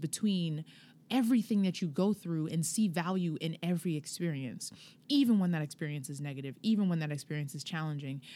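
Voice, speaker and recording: A woman with a New York accent has a dark, mellow tone and fairly low pitch. Her intonation is lively in a very clean recording with a silent background. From Long Island, New York. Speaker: podcast host, career coach. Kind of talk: solo podcast monologue. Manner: casual, conversational.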